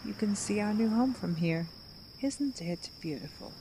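An actress playing a level-headed woman who tries to keep the peace, speaking in a measured, placating way in an audio drama. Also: mid-range voice, animated, noisy background. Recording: music bed under voice.

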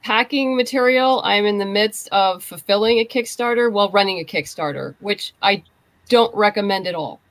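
A woman's voice: mid-range voice, moderate pace, a bit bright, no room sound. A woman chatting casually as a writer guest on a podcast over a video call. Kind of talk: casual chat.

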